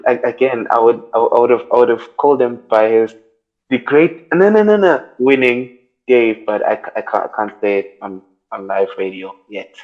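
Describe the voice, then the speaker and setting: A man's voice: fairly low pitch, flat delivery, brisk. A man hosting a casual podcast chat, rambling and blunt, joking and tripping over his words. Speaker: podcast host. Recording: dull lo-fi recording.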